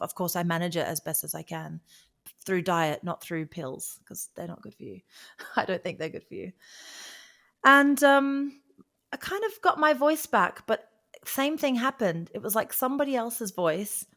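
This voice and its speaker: Woman, slightly low voice, casual personal storytelling, animated and conversational, interview guest. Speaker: guest, singer and vocal coach.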